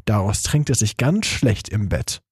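A man's voice: lowish voice, big pitch swings, a little slow, slightly rough, dry recording, studio quality, voice pushed down, exaggerated voice. A man voicing a hurt, helpless father who speaks soothingly and apologetically, in an audiobook reading. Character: injured father, gentle and helpless.

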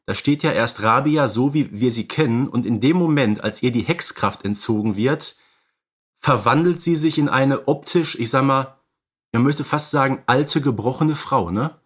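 A man's voice: medium pitch, moderate pace, slightly rough. A man co-hosting a film analysis podcast, talking conversationally and emphatically, repeating words for stress. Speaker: podcast co-host.

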